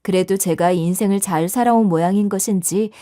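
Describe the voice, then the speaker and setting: A woman's voice: mid-range voice, a little fast, warm tone. A woman narrating a dramatized personal story in a confiding, conversational tone.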